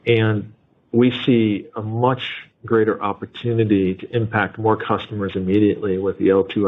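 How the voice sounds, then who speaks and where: Lowish male executive on tinny line. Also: breathy edge. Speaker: company finance or leadership executive. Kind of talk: corporate answer on earnings call. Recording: tinny narrow conference phone line.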